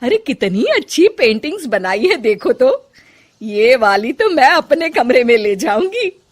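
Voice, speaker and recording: A woman's voice: high voice, sing-song, unhurried, exaggerated voice. A woman voicing an older mother-in-law in a cartoon story, who gives orders at first and later speaks kindly. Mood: warm. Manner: commanding, then affectionate.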